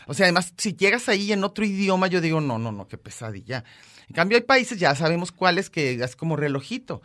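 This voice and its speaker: A woman's voice: lowish voice, expressive, quick pace, fairly bright tone, no room sound, clean studio sound. A woman with a Mexican accent co-hosting a university radio show, chatting casually and acting out the voices in her stories. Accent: Mexican Spanish. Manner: chatty, acts out quoted voices in anecdotes.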